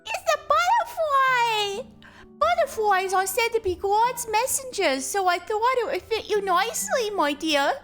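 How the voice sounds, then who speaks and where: A haunted, guilt-ridden mother, as a woman plays her, her high voice slow and measured as she broods. Faint music plays behind her. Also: animated. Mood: gentle. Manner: anxious, brooding inner monologue. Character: frightened, guilt-ridden mother of a strange child.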